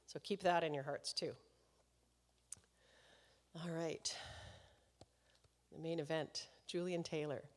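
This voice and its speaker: A woman's voice: low voice, fairly even intonation, takes it slowly, long pauses. Chatty woman hosting in a reverberant hall. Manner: chatty and warm-hearted, laughing between remarks. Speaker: concert series host. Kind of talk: live stage introduction to an audience. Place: concert hall, live event.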